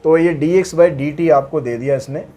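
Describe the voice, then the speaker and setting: A man's voice: a little high, moderate pace, warm tone. A man teaching maths, walking through worked problems in a chatty way with asides and jokes. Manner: chatty, mixes English terms into speech, light jokes.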